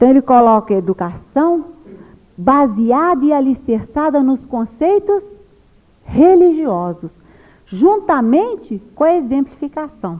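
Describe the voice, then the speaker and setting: Very wide pitch swings mark a woman's high voice as she speaks at a very slow pace. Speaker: spiritist lecturer. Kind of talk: lecture.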